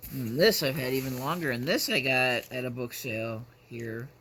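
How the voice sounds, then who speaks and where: A man in his fifties vlogging casually, talking in a halting, musing, rambling way. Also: medium pitch, bright, forceful tone. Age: 50s. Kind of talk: casual chat. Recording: noticeable background noise.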